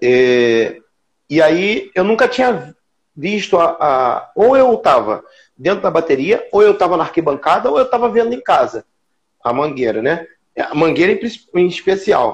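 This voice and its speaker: Fairly slow, high-pitched male speech full of very wide pitch swings. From Rio de Janeiro, Tuiuti. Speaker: samba community member. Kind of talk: casual chat. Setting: Instagram live video call.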